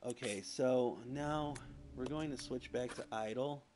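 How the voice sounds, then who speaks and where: A man's voice: mid-range voice, unhurried, a little mellow. A man streaming a video game, rambling casually with lots of "like" and swearing over a console streaming mic. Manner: rambling and crude, heavy use of "like" and swearing. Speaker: gameplay streamer. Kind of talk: casual let's-play commentary. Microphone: PS4 streaming mic. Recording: noisy home stream audio.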